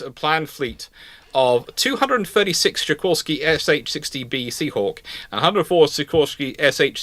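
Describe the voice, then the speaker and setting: A man's voice: fairly high pitch, pushed and bright, dry recording. A man hosting a casual live question-and-answer talk on history, rambling and often restarting his phrases. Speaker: livestream host.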